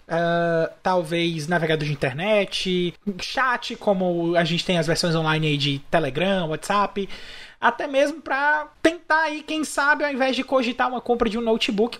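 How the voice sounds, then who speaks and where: A man's voice: high voice, fairly bright tone. A man with a Brazilian accent co-hosting a podcast in casual chat, easygoing and leaning on tag questions. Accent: Brazilian Portuguese. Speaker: podcast co-host.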